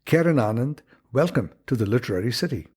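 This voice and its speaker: A man hosting a literary interview, asking measured, wry questions. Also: medium pitch, expressive, darkish tone, slightly rough. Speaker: interview host.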